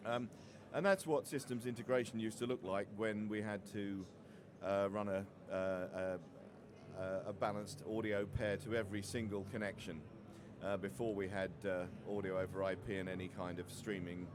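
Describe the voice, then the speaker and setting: A middle-aged man speaks in a fairly low register, giving a technical talk at a trade show. His delivery is hesitant, with stumbles and doubled words. Clear background noise from the busy floor surrounds his voice. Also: level tone, normal speed. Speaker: industry conference presenter. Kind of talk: technical slide presentation. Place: open presentation area at a trade show.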